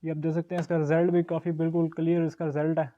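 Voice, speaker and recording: A man's voice: on the high side, flat delivery, racing, dark tone, highs cut off. A man with a Pakistani accent narrating a casual product unboxing and demo as the presenter. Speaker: shop's product reviewer and presenter.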